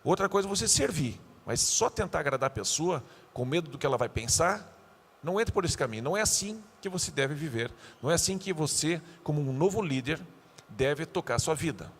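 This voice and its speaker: A male pastor giving a youth sermon, animated and joking, acting out the scenes he tells. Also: on the high side, fairly quick, slightly rough, in a large hall.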